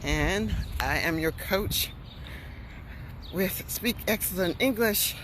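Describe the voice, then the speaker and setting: American woman, English coach, slow deliberate speech, walking outdoors, traffic noise behind. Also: fairly low pitch, a bit bright. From North Carolina, USA. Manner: slow, deliberate teacher talk while walking. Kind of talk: live-streamed walking chat. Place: outdoor boardwalk.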